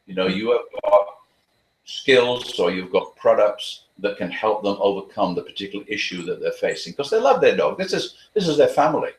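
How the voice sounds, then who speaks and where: A man giving earnest advice as a dog trainer in an interview, talking quickly with frequent restarts. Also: fairly low pitch, lively intonation, reverberant, rough recording.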